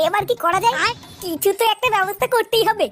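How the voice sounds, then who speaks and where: Squeaky, brash cartoon village lad. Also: female voice, fast talker, fairly bright tone, soft background music. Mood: worried. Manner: brash, slangy, swearing. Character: cheeky, foul-mouthed, boastful young village lad. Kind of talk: comedy cartoon dialogue.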